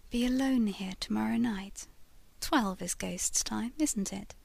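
A tender ghost of a young woman, whispered by a female reader, breathes her words slowly and intimately, in a gravelly, dry, close hush. Each phrase lingers, full of longing. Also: mid-range voice, no room sound. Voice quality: hushed whisper. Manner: slow, yearning, intimate.

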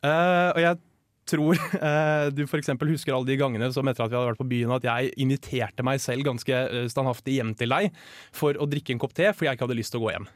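A young man co-hosts a comic radio chat, full of playful, mock-serious advice that can turn candid and earnest. His mid-pitched voice sits close and dry against the microphone, with no room sound around it. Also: fairly even intonation, dry recording. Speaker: podcast co-host.

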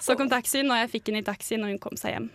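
A woman's voice: a little high, fairly bright tone, no echo. A young woman, co-hosting a radio show and telling a story in a casual chat. She laughs often and uses many fillers. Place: radio studio.

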